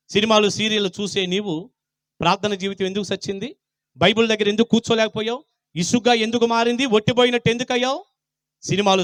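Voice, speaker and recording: Pastor, man, very high voice, dry close sound, confrontational sermon delivery full of rhetorical questions. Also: dry recording. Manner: confrontational, rhetorical questions, swings from loud to quiet. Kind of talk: Christmas sermon.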